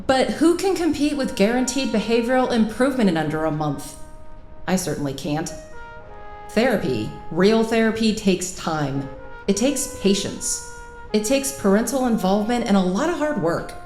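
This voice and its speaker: A woman's voice: medium pitch, a little mellow, roomy sound, natural voice. A woman playing an opinionated, teasing character in an audio drama, bossy and argumentative in a playful way. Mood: animated, indignant. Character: opinionated, teasing adult woman, animated over wine. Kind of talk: naturalistic audio drama dialogue.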